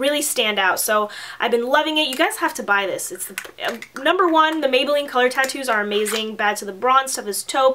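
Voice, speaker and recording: A woman talks in a high pitch with lively intonation. Noticeable background noise sits behind her. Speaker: beauty vlogger. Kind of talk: product review. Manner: fast; casual, filler-heavy.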